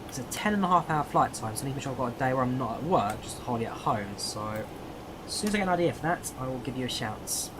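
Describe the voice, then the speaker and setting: An English man chats loosely through a live stream, thinking out loud and answering viewers as he goes. His voice sits at an everyday middle pitch. A clear, steady hum like air conditioning runs under his voice. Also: fast talker. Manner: chatty, thinks aloud, answers chat viewers. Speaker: flight simulator streamer. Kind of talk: casual live-stream commentary.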